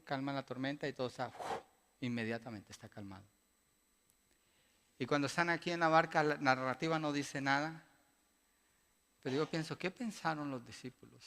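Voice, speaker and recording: A man preaching a sermon as pastor, asking his congregation rhetorical questions and building to loud, emphatic passages. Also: medium pitch. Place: church sanctuary. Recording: long church-hall reverb.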